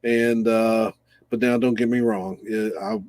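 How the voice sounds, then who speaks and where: A man co-hosts a casual football picks show in a voice on the low side, level and darkish, at a measured pace with no echo. He comes across as hesitant and easygoing, chuckling often during the sports chat.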